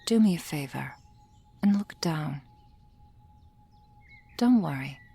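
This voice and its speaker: A woman playing a gentle, reassuring soul healer in an ASMR roleplay, speaking in a soft, formal whisper. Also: low-pitched, lively intonation, takes it slowly, vocal fry, husky, exaggerated voice. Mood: soothing whisper.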